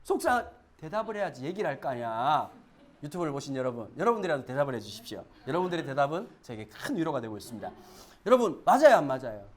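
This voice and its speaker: Animated pastor with lively pitch. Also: male voice. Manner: animated, swings from soft asides to loud shouted dramatizations; conversational, asks the congregation questions. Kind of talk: sermon.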